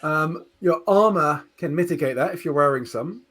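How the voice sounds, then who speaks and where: GM casting: man with a slightly raised pitch, talky descriptive narration full of restarts. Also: normal speed, fairly bright tone, slight background noise. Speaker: game master. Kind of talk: narrating a tabletop horror game.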